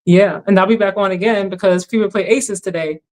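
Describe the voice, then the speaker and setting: A woman hosts a sports podcast in a chatty way and laughs easily. Her voice is turning hoarse, at a middle pitch. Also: fairly even intonation, fairly quick, darkish tone, rough recording. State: getting hoarse. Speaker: podcast host. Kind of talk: casual chat.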